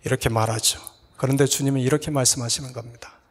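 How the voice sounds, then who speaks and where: A male pastor preaching a sermon, earnestly putting rhetorical questions to his congregation and sometimes dropping to a soft whisper. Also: medium pitch, steady tone, fast, husky. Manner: earnest, addresses listeners with repeated rhetorical questions. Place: church sanctuary. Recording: long reverb of a church hall.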